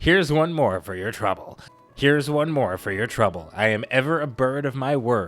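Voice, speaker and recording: A put-on character voice plays over faint background music. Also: man, medium pitch for a man, moderate pace. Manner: silly.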